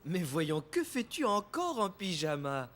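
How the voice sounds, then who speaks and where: A man's voice: sits high, very animated, unhurried, a bit bright, exaggerated voice. A man voicing a kindly, easygoing young father in a children's cartoon, patient and good-humoured.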